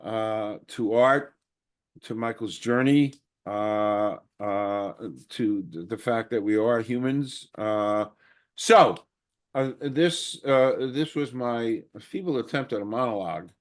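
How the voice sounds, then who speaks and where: A man's voice: medium pitch, takes it slowly. A man hosting an interview, hesitant and self-deprecating, with many fillers. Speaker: host. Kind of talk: conversational interview.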